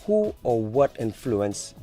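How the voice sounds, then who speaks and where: A man hosting an interview, asking questions in a smooth, measured, promotional way. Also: medium pitch, sing-song, mellow, soft background music.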